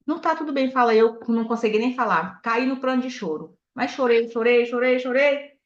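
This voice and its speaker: Her voice sits on the high side and moves at a moderate pace as this sales director delivers an animated motivational talk. She mixes in stories from her own life and asks the audience questions directly. The sound is lo-fi and dull, with echo.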